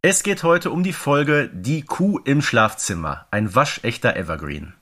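A man in his thirties from Germany, co-hosting a podcast in a casual conversational style with a medium-pitched voice. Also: lively intonation, a little slow, a bit bright. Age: 30s. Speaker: podcast co-host.

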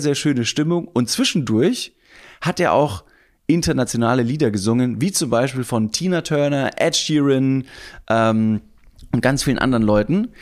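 A man co-hosting a podcast, telling a story in casual chat, enthusiastic and rambling, with many repeats. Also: mid-range voice. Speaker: podcast co-host.

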